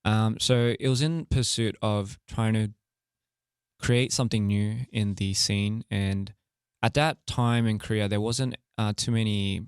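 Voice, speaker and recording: A young man chatting candidly as an interview guest, loose and relaxed, full of fillers and laughing easily. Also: fairly low pitch, a little slow, smooth, no echo, clean studio sound. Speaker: interview guest, music artist and director. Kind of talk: casual interview chat.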